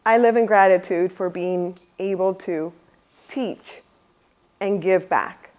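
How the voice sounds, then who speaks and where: A woman's voice: lowish voice, slow pace, muffled recording. Casting: woman speaker running a workshop, upbeat, laughs easily, draws the audience in with questions. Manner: lively, laughs often, asks the audience questions. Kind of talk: motivational talk to a live audience.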